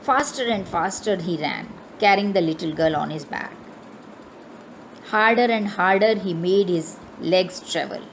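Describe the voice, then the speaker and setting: A woman's voice: on the low side, unhurried, slight background noise, poor audio. A young woman teacher with an Indian English accent reads a story aloud in an online class and explains it line by line, often checking in with "right?".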